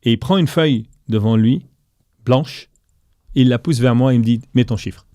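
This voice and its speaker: Animated man telling a business story. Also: medium pitch, moderate pace, no echo. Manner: animated storyteller, voices quoted dialogue. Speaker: guest entrepreneur. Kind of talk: storytelling interview.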